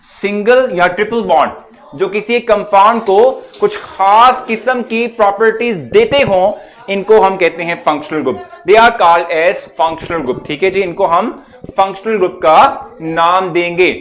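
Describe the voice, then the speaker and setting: A man's voice: sits high, unhurried. A young man with a Pakistani Urdu accent teaching a live online chemistry class, chatty and coaxing, checking in with students often.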